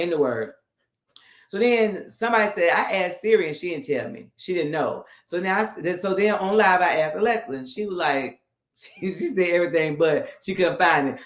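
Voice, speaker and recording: A woman co-host telling a story in a casual, animated way, laughing often and restarting her sentences. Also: lowish voice, reverberant. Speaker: podcast co-host.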